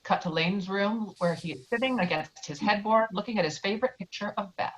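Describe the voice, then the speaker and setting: A woman's voice: mid-range voice, fairly quick. A woman reading out screenplay stage directions as the narrator of an online table read. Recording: dull, lo-fi online call audio.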